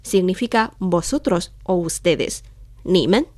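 Woman, Chinese native, patient language teacher, speaks slowly, dry studio sound. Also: lowish voice, animated, a little mellow, dry recording. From China. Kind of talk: language lesson, modelling words to repeat.

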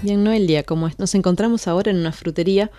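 A woman's voice: mid-range voice, fast talker, over loud music. A woman co-hosting a scripted language lesson, repeating words back and presenting a short practical segment. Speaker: co-host.

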